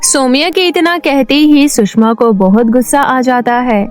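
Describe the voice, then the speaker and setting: A woman narrating a cartoon moral story in a steady scripted storytelling voice. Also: high voice, unhurried, clear, resonant tone, faint music behind.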